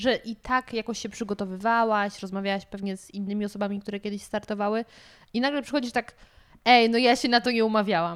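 A woman's fairly high voice at a very fast pace, with fairly even intonation and big swings in loudness, in a very clean recording with a silent background. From Lower Silesia, Poland (Gryfów). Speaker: podcast host. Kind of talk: casual interview chat.

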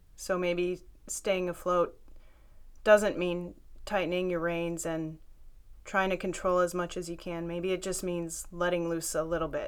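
A woman with an American accent speaks at a fairly slow pace in a fairly low voice, with monotone, flat intonation and long, frequent pauses. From Chicago. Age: 20s. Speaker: rock climber and outdoor store worker. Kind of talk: casual chat. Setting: studio.

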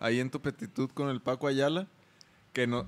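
A man in a normal speaking voice talks at a moderate pace and medium pitch. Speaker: podcast co-host. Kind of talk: casual chat.

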